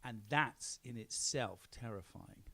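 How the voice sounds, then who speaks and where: A man's voice: medium pitch, slow pace, gravelly, sharp tone. Emphatic man from Belfast on a panel. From Belfast, Northern Ireland. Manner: emphatic, repeats phrases for weight. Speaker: film director, panel guest. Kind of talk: opinionated live panel answer. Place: on stage at a film premiere event.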